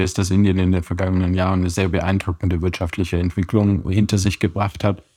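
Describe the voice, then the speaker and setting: Deep, flat-voiced diplomat man. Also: dry recording, studio quality. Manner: measured, factual. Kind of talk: interview answers.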